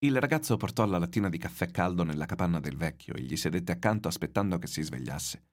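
A man reading a novel aloud in measured, expressive literary narration. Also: low voice.

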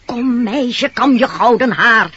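A slightly high, slow female voice belongs to an actress playing a disguised peddler woman in a Dutch radio play, a sly, coaxing schemer pushing her wares with wheedling, insistent patter in a persuasive mood. The old radio recording is dull and noisy.

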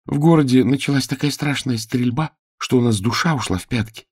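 A man's voice: medium pitch, brisk, a little mellow, breathy edge, no room sound, studio quality, pitched above the performer's own voice, close to an everyday voice. A man voicing a young girl disguised as a page boy, talking eagerly and pleading with her friend.

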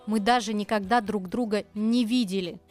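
A woman voicing a guarded, earnest young woman gamer in a dramatized audiobook, speaking in a measured, firm way. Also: mid-range voice, steady tone, a little mellow, soft background music, close to an everyday voice. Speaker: voice actor in an audiobook.

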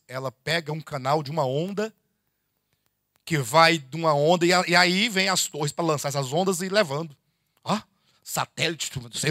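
Brazilian bishop preaching to his church, high voice that jumps all over, lots of questions, dry close sound. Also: no echo. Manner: animated, rhetorical questions, addresses listeners as "queridos". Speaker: bishop teaching a Bible study. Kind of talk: conversational sermon to a congregation. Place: church meeting hall.

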